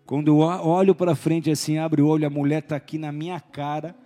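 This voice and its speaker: A pastor preaching with a fairly high voice, telling his stories with lively energy and acting out the people in them. Faint music plays softly under his sermon. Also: brisk. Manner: animated storytelling, acting out voices, shouting at peaks.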